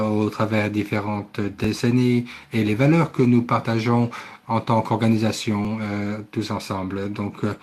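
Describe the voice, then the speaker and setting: Halting male interpreter with an even tone. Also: fairly low pitch. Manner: halting delivery with self-corrections. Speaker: simultaneous interpreter. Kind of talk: live interpretation of a conference session.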